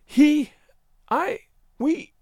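A man acts out a naive young woman from a storybook, pitched high and swooping with feeling. The voice is small and hesitant, quavering as it pleads stubbornly in distress. The recording is very dry and close. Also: huge pitch swings, moderate pace, a little mellow, no room sound, full character voice. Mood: hesitant, puzzled. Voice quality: faint, small voice. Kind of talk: dramatised audiobook story reading.

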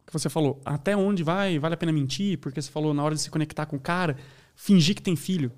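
A man talking in a casual podcast chat, an animated storyteller who says "né" and "daí" a lot. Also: on the high side, fast talker. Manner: animated storyteller, acts out voices.

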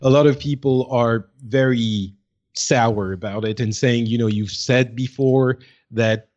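A man co-hosting a gaming podcast, explaining in a casual, somewhat halting way on a slightly dull recording. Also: medium pitch, steady tone, darkish tone. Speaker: podcast co-host.

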